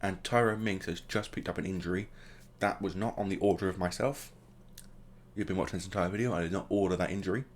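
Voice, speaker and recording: Low-voiced man doing chatty game commentary. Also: fairly even intonation, fast talker, slight background noise. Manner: chatty, commentates play by play with joking asides. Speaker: gaming channel host. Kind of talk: casual let's-play commentary.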